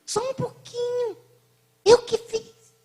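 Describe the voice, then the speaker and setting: A woman's voice: very high-pitched, level tone, slow, dark tone, voice pushed up. A woman putting on a tiny, pushy, sweet old lady. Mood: coaxing. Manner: coaxing, insistent.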